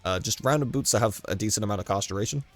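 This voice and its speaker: Stuffy-nosed guy rambling through a game run, low voice, faint music behind. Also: very fast. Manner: relaxed, rambling, frequent ums and self-corrections. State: congested with a cold, losing his voice. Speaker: gaming guide creator. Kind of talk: casual gameplay walkthrough commentary.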